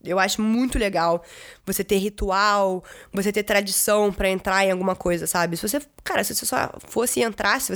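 A young woman from Brazil chats to the camera about her own stories. She talks loosely, with lots of fillers, and swears casually now and then. Her pitch sits in the middle range. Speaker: vlogger. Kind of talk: casual storytelling.

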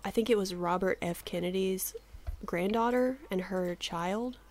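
A woman's voice: medium pitch, a little slow, darkish tone. A woman in her thirties chats with her co-hosts, her voice still a little sleepy. She laughs often and swears casually as she tells her stories. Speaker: podcast co-host. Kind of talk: casual chat.

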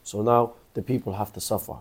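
A man's voice: fairly low pitch, steady tone, brisk. A man in his thirties from Iraq, earnestly telling his life story as an interview guest.

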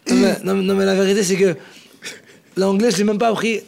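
A man's voice: high-pitched, fairly even intonation, fairly quick, vocal fry, a little mellow. A man chatting as a guest in a casual talk, mixing English into his French. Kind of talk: casual interview chat.

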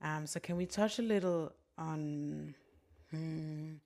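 Woman podcast host, very low voice, affirming, asks open questions. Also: slow, creaky, darkish tone, faint music behind. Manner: supportive, frequent affirming backchannels. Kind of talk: conversational interview.

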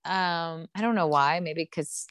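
A young woman with a slightly low voice co-hosts a casual chat, opinionated and full of "like". The sound is dry and close, with no room around her. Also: unhurried, fairly bright tone, clear, resonant tone, no room sound. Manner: chatty, opinionated, heavy use of "like". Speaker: podcast co-host.

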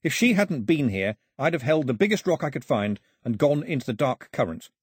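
A man voicing an earnest, protective young male islander in a storybook, solemn and measured. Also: mid-range voice, big pitch swings, husky, no echo, studio quality, voice pushed up. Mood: earnest, resolved.

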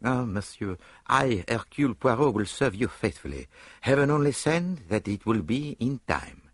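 A man voicing a fussy, excitable Belgian detective in an audiobook, talking in theatrical bursts. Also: dry recording, studio quality. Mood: animated, pondering. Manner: theatrical, rising pitch, quick bursts. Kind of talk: audiobook character voice.

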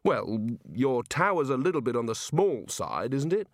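A man's voice: mid-range voice, sing-song, a little slow, no echo, studio quality. A man voicing a hapless, nervous wizard in an audiobook, hesitant and defensive in manner. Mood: apologetic. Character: hapless, nervous male wizard, evasive and apologetic.

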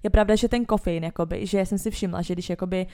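Young woman, podcast co-host, casual chat, blunt, swears, laughs a lot, lowish voice. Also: fairly even intonation, a little mellow.

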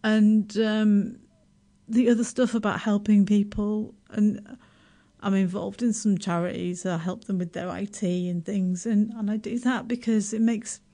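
A middle-aged woman from Yorkshire with a Yorkshire accent, chatting as a radio guest, self-deprecating and laughing often, with halting restarts. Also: mid-range voice, fairly even intonation, mellow. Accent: Yorkshire English. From Yorkshire, England. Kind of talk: casual radio interview.

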